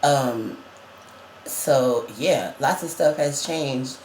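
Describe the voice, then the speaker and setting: A trans man chats easily and laughs often, with plenty of ums along the way. His voice sits at a middling pitch and cracks now and then. The sound is roomy and echoey, with a faint hum behind it. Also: drawn-out words, a little mellow. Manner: chatty, laughs often, many fillers. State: voice cracking, going up and down. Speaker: vlogger. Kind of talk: casual chat.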